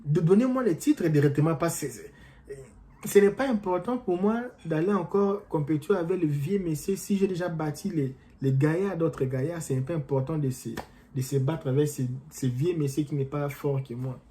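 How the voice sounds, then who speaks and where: A man's voice: on the high side, moderate pace, dark tone, lightly acted. A man voicing a boastful, arrogant young strongman in a spoken tale, scoffing at the idea of facing a weaker opponent.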